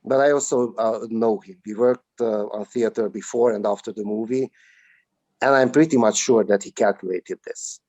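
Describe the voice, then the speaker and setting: A man, a native Hungarian speaker and actor, answering slowly in a webinar interview over a video call, with many drawn-out fillers. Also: on the low side, a little mellow, no room sound, muffled recording. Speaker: film actor, guest.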